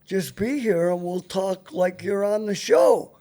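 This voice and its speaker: A man in his seventies, a veteran radio host, reminiscing casually in a blunt, halting, salty way. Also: high-pitched, mellow.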